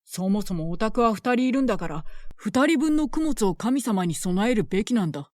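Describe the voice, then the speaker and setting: A woman playing gruff, scornful village men. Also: medium pitch, animated, moderate pace, a little mellow, no echo, clean studio sound, lightly acted. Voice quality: rough rustic speech, blunt and scornful. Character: gruff grumbling male villagers, poor farmers.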